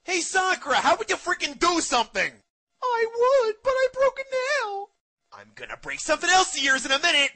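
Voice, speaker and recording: A man voicing a loud, brash teenage boy ninja in a fan parody dub, shrill and sarcastic. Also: wildly swooping pitch, fairly quick, full character voice.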